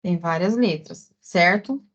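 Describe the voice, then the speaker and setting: A woman with a Brazilian Portuguese accent, lecturing as a teacher for exam preparation, explaining slowly with many fillers and repeated words. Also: on the low side, lo-fi sound.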